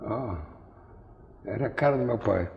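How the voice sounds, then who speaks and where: A man's voice: fairly low pitch, measured pace, gravelly, big-room sound, narrow, tinny audio. An older man from Brazil interviewing in an artist's studio on a lapel mic, telling wry, digressive stories. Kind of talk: rambling conversational interview.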